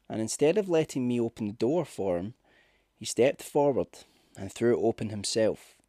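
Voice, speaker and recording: A man reading a scripted ghost story as narrator, with measured, dramatic delivery. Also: medium pitch, dark tone, no echo, studio quality. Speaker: audiobook narrator.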